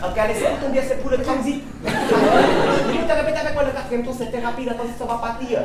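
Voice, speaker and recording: On a comedy club stage, a woman with a high voice speaks a little fast with a steady tone, recorded from afar by a roomy live mic over a noisy crowd and loud audience laughter, close to her everyday voice. In a stand-up character sketch, she plays a cheerful, cheeky female Chinese language teacher, teasing in a sing-song with exaggerated tones and chuckling asides.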